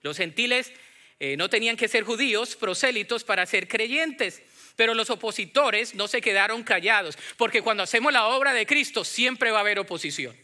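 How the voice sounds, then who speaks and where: High, bright-voiced Latin American man preaching. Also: moderate pace. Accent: Latin American Spanish. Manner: animated, acts out imagined dialogue, questions the congregation. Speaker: pastor preaching. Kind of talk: conversational Bible-teaching sermon.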